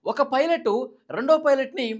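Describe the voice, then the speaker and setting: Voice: high voice, normal speed. A Telugu news presenter giving explanatory commentary in a dramatic, emphatic manner, repeating key points.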